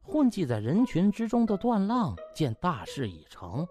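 A man narrates a comic audiobook as a dramatic storyteller. His delivery is theatrical, with very wide swings of pitch, and music plays faintly behind him. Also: wildly swooping pitch, normal speed, mellow. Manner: theatrical, uses sound words and exclamatory particles.

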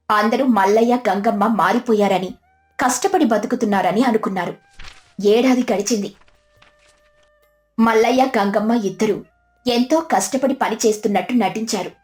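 A woman's voice: a little high, darkish tone. A woman reading a scripted moral story as the narrator. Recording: background music under the voice.

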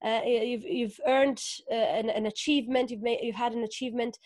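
A woman's voice: a little high, fairly even intonation, a little fast, a little mellow, dry recording, studio quality. A woman, a guest author talking thoughtfully on a video call, with many fillers and rhetorical questions. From northern Italy. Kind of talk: conversational interview on a video call. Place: small room indoors. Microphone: video call webcam.

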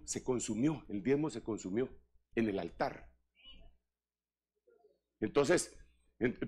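An older man preaching a sermon in an animated style, with joking asides to the congregation. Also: medium pitch, creaky, breathy edge. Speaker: apostle preaching.

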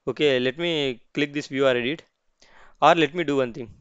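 A man hosting a screen-recorded software tutorial, explaining each step as he clicks, with frequent restarts and "okay, see" asides. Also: medium pitch, normal speed, clean tone, no room sound, highs cut off. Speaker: tutorial host.

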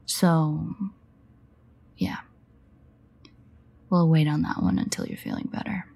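A woman playing a sardonic, guarded but fond vampire in an intimate audio roleplay, wry and hesitant in manner, with a husky, gravelly voice. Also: sits low, very animated, slow pace, a little mellow, full character voice. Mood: hesitant, tender.

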